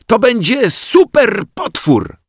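A man voicing an alert, excitable kindergarten boy in a very high, eager voice. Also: slow pace, husky, dry recording, studio quality, exaggerated voice.

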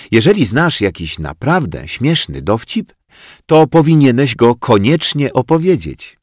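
Brief: low-voiced man narrating a children's story, lively intonation, dry studio sound. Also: no echo. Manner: slow, expressive, plays many voices. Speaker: audiobook reader.

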